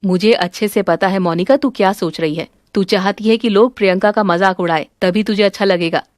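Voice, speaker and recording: Woman voicing a cartoon mother-in-law, stern, lower than her daughters-in-law, commanding, dry sound. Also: steady tone, brisk, dry recording, close to an everyday voice. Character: strict scolding mother-in-law.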